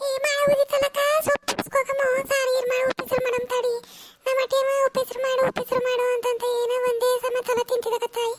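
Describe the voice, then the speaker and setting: A woman uses a cartoonish character voice at an extremely high pitch, with monotone, flat intonation and very even loudness. She keeps a moderate pace, and the sound is dry and close with no echo. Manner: fast, rambling, boastful.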